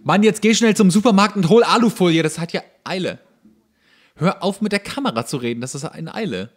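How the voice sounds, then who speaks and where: A man's voice: sits high, animated, a little fast. A man giving casual, sarcastic running commentary on a show as he watches it, as a podcast host.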